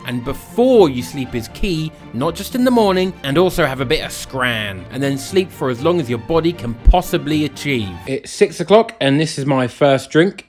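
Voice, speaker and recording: A young British man vlogs casually to camera in the first person, his voice a little high and expressive. He talks at normal speed with hardly any pauses, in a dry, tongue-in-cheek, sweary style, while faint music plays behind him.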